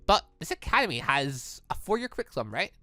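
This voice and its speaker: A man's voice: fairly high pitch, very animated, fast, sharp tone, no room sound, studio quality, exaggerated voice. A man voicing a sceptical, mildly exasperated newcomer student in a visual novel. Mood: doubtful. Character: sceptical, questioning newcomer student being shown around. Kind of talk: visual novel dialogue read aloud.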